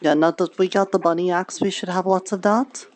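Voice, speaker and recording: A woman's voice: fairly low pitch, fairly even intonation, fairly quick, darkish tone. A woman talking casually in character during an online game roleplay, a little hesitant in how she puts things. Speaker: streamer and roleplayer.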